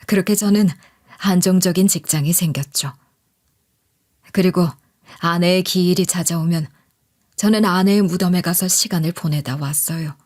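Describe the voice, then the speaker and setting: A woman's voice: lowish voice, normal speed, pauses often, a little mellow. A woman reading a scripted first-person life story as a narrator.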